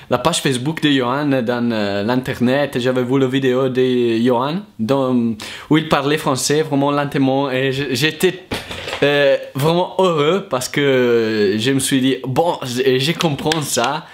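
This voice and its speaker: An Italian man talks in a second language, with an Italian accent and a halting, searching delivery. He pauses often and restarts his sentences while his voice sits at a middling pitch. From Italy. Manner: hesitant, many fillers and restarts. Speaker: language learner vlogger. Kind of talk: casual thank-you monologue.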